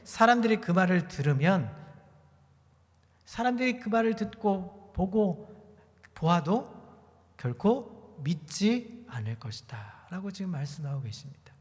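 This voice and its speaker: A man with a high-pitched voice preaches in an earnest, measured way and slows down to press his points. His words carry through a church sanctuary. A long hall reverb trails each phrase. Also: very animated. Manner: earnest preaching, slowing to stress key words. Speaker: pastor. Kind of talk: sermon.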